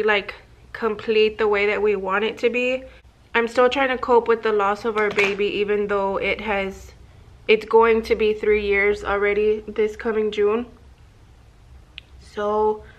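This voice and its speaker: A woman's voice: mid-range voice, fairly bright tone, highs cut off. A woman in her thirties, a vlogger and makeup artist, chatting casually to the camera in a small office, rambling with lots of fillers and restarts. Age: 30s. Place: small office room indoors. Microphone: camera at desk, close framing.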